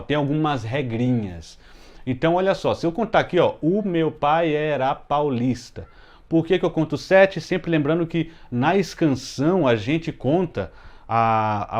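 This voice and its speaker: A man from Brazil teaching a casual music lesson at home, explaining step by step with frequent "né?" tags and slowing down to scan verses syllable by syllable. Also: medium pitch, darkish tone. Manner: explains step by step, many "né?" tags, slow deliberate scanning of verses. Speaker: music teacher, channel host. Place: home room with closed window, children heard outside.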